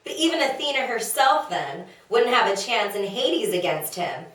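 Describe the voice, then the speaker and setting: A woman's voice: mid-range voice, sing-song, normal speed, a bit bright. A woman playing an exasperated, insecure wife in a comedic table read, with a plaintive, griping, colloquial delivery. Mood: doubtful. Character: exasperated, henpecking young-to-middle-aged wife of Socrates, insecure. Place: echoey room, away from mic. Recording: very echoey room, distant mic.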